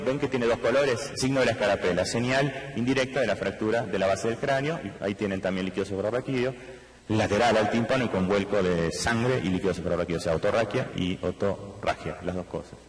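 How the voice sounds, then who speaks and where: An Argentine man gives a medical lecture in rapid, rushing Spanish, with a fairly low voice. He talks straight to the audience and asks rhetorical questions along the way. His voice echoes through a large hall with a long reverb. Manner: explanatory, addresses audience directly with rhetorical questions. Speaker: anesthesiologist lecturer.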